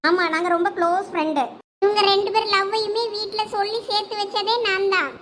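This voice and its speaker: A woman voicing a very high, bossy village wife. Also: fairly even intonation, a little fast, heavy background noise. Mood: chatty. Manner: bossy, teasing and chatty. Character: lively young village wife and her friends. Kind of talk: dubbed village comedy drama.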